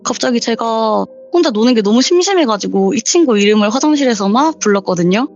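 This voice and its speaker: Young woman, slightly high voice, chatty storyteller who acts out the dialogue; dull lo-fi recording with faint music behind. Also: lively intonation, fairly quick, a little mellow. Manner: chatty, acts out the quoted lines with sudden rises in pitch. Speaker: guest telling a viewer's true horror story. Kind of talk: casual spoken storytelling in an interview.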